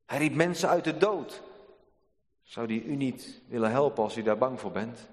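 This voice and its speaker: A male pastor preaching a sermon in a church, earnest and measured, with dramatic pauses. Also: medium pitch, lively intonation. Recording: long church reverb.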